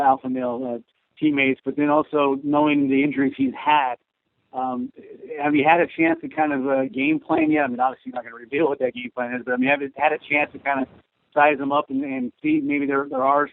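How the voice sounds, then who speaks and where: Creaky, swooping man on a phone line. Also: fairly high pitch, no room sound. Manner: hesitant, wordy. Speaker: sports reporter. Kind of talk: asking questions on a media conference call. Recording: tinny phone conference line.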